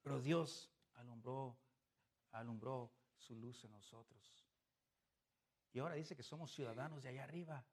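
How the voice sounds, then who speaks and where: A man with a Mexican Spanish accent delivers a sermon as a pastor. His voice swings between loud, emphatic bursts and soft, low asides, and he chuckles through his personal stories.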